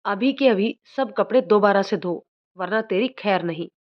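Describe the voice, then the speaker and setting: A woman's voice: mid-range voice, moderate pace, close to an everyday voice. A woman voicing an angry young husband who makes blunt threats, in a dull lo-fi recording. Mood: threatening. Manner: menacing, blunt.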